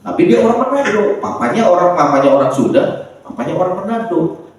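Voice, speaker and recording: A man from Indonesia, a pastor preaching a sermon in a church, lively and acting out the voices of the people he quotes. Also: sits high, quick pace. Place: church hall. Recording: echoey church from far off.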